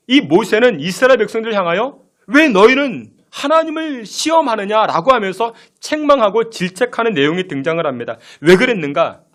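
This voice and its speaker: A male pastor preaching a sermon, emphatic, posing rhetorical questions and acting out the complaints of his listeners. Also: high-pitched.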